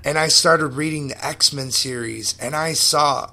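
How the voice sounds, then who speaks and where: A young man hosting a podcast, casually telling a story with excited, profane enthusiasm. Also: on the high side, unhurried. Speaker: podcast host.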